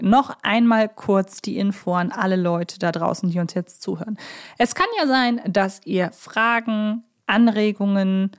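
Woman, mid pitch, podcast host, conversational, wordy, stop-and-start phrasing. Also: darkish tone. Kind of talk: chatty podcast moderation.

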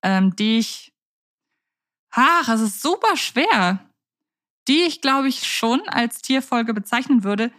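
A woman's voice: on the high side, lively intonation, slow pace, pauses often, a bit bright. A woman co-hosting a podcast, chatting playfully in long winding sentences. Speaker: podcast co-host. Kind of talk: casual podcast chat.

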